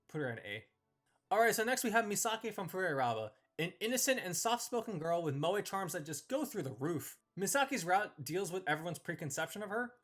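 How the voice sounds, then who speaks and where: A man's voice: fairly high pitch, a bit bright. A man hosting a casual ranked-list review, giving opinionated commentary on characters.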